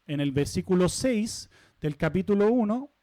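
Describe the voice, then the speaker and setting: A man preaching from the pulpit in a high-pitched voice. He keeps it conversational, stopping to ask the congregation questions and tossing in light asides. The sound is dry and close, with almost no room echo. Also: animated, normal speed, warm tone. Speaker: pastor. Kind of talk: sermon. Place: church sanctuary.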